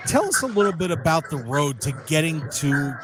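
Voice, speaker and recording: Male radio host, animated, friendly, poolside with loud music behind. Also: on the high side, normal speed. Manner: friendly, hedging with uh and you know. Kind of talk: radio interview. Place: outdoors by a hotel pool.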